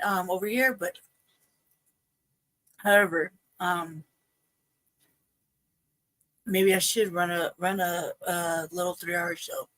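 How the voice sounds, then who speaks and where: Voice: medium pitch, fairly bright tone, no room sound. Rambling livestream host, dry close sound. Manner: rambling, hesitant, many ums. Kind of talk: casual livestream commentary.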